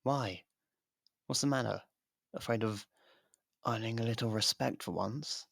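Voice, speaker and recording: Casting: male actor for a sarcastic, guarded convict murderer in ASMR audio drama; very gravelly, close dry sound, needling and foul-mouthed. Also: on the low side, unhurried, fairly bright tone, dry recording, exaggerated voice. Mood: sardonic needling.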